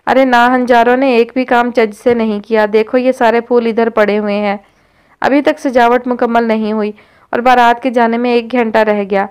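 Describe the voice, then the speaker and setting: A woman's voice: a little high, little pitch movement, clear, resonant tone, close to an everyday voice. Woman reading as a scolding old grandmother. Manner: scolding, loud.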